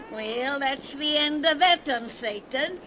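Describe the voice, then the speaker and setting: A woman's voice: sits high, heavy background noise, full character voice. An actress playing a gleeful, sinister old witch who tells horror tales in 1930s radio style, with a cracked, cackling voice. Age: older. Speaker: horror show host.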